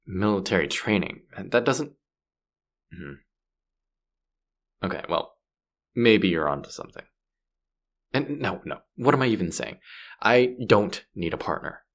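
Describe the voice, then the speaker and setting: A man playing a gruff, sardonic space pirate who is grudgingly softening, in a scripted sci-fi audio roleplay spoken to the listener. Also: on the low side, lively intonation, a little slow, long pauses. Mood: exasperated, defensive. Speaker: voice actor.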